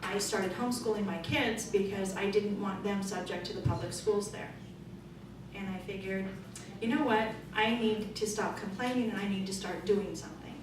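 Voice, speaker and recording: A middle-aged woman speaking as a political candidate at a forum, loud and forthright in a conversational way. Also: mid-range voice, normal speed. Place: meeting room. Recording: echoey room from far off, noisy.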